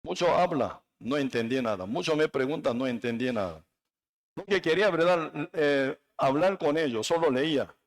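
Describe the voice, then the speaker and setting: Man, Korean accent, preacher, emphatic sermon, fairly high-pitched, halting non-native phrasing. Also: expressive. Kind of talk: sermon with personal testimony.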